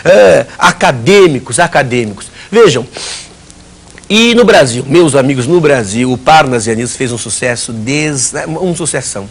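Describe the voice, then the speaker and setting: Husky man teaching with ironic asides. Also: mid-range voice, animated, moderate pace. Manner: many fillers and restarts, ironic asides to students. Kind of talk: recorded video lesson.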